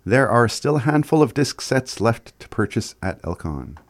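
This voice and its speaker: A man's voice: mid-range voice, sing-song, moderate pace, dry recording. A man with an Indigenous Canadian reservation accent reading community announcements in an informal way, with the odd stumble.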